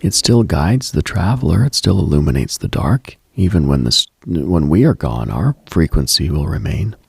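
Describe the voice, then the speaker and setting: Very deep, gravelly, husky late-night man. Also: no room sound, studio quality. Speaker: late-night radio host. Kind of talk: intimate late-night spiritual radio monologue.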